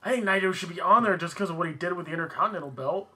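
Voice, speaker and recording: A man's voice: high-pitched, very fast, sharp tone. A man co-hosting a podcast in a casual, conversational style. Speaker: podcast co-host. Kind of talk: casual chat, wrestling discussion.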